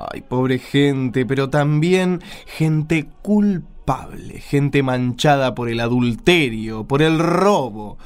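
In a radio play, a male actor with a medium-pitched voice portrays a pious Pharisee husband who is pompous and contemptuous. His delivery is preachy and condescending.

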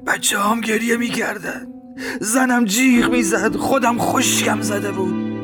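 A shaken village man in an audio drama, played by a man, recounts the scene in an anguished, pleading way. Loud music plays beneath his voice. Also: high-pitched, steady tone, close to an everyday voice. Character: shaken male village witness, distraught.

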